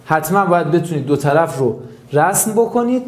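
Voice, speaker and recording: Math teacher, male, mixed Mashhadi accent, slightly high voice, step-by-step explaining, echoey room. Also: expressive. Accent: mixed Mashhadi Persian. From North Khorasan, Iran. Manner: explains step by step, counting points aloud. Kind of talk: online math lesson. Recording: roomy echo.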